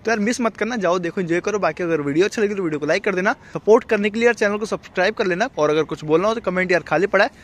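A man's voice: high-pitched, racing, few pauses. A young man giving a casual, chatty film review, peppering his talk with friendly fillers. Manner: chatty, constantly says "yaar" and "bhai". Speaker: movie reviewer.

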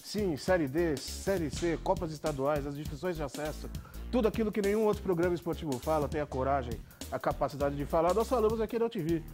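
A man's voice: on the high side, quick pace, a little mellow. A man announcing a sports show in an emphatic, salesy way. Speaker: sports show host in a promo. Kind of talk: promotional announcement. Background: music.

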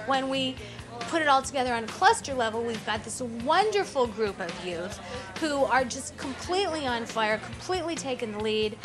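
Middle-aged woman, raised pitch, casual interview talk, clear background music. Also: animated, moderate pace. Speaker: community member.

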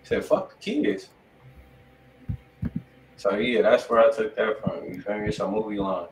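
A man's voice: on the low side, big pitch swings, moderate pace. Blunt American man in an echoey room. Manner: blunt, slangy, profane. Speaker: music review show co-host. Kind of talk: casual chat. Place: indoor room with desk and studio monitors. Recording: roomy, distant mic, background noise.

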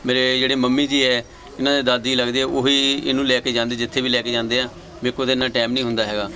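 A man's voice: medium pitch, pushed and bright, slight background noise. A middle-aged Punjabi man telling his son's story in a conversational, repetitive way, often quoting himself and his son. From Punjab, India. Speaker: father of a young dancer. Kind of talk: recounting family story.

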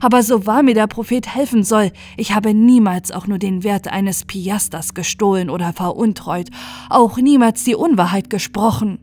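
A woman's voice: medium pitch, normal speed, a little mellow, natural voice. A woman voicing an old male servant who pleads and protests his innocence in a wailing tone, in a fairy tale audiobook. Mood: protesting.

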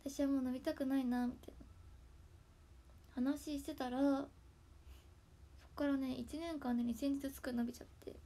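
A young woman with a Hakata dialect, chatting casually on her livestream from home and thanking viewers, often slipping into soft whispery asides. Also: high-pitched, fairly even intonation, a little fast, pauses often. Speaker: idol livestream host. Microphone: tablet built-in mic.

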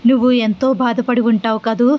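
A woman voicing a calm young man reassuring his father and wife over the phone. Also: fairly high pitch, a little fast, lo-fi sound, lightly acted.

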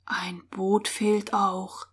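A woman voicing a boy camper in a Christian story for children, speaking in a near-toneless hush. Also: mid-range voice, fairly even intonation, moderate pace, natural voice. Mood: shaken. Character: young boy camper Marty.

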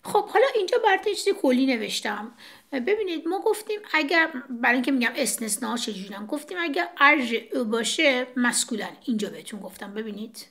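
Brief: woman French teacher, slightly high voice, walks through examples on a board. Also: lively intonation, fairly bright tone. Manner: explains step by step, pointing to a board. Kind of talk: casual classroom explanation.

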